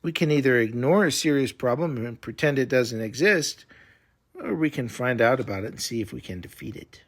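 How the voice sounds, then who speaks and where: A man's voice: medium pitch, animated, fairly quick, close to an everyday voice. A man voicing a playful, skeptical male adventurer in a children's bedtime story, with a teasing, incredulous manner. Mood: resolute.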